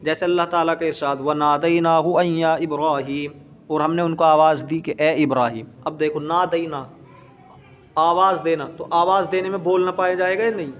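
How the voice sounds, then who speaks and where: Man, grammar teacher, high voice, slow reading, quick explaining, asks questions, muffled recording. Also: fairly even intonation. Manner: reads Arabic text slowly then explains it quickly. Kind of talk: classroom lesson, explaining Arabic grammar in Urdu.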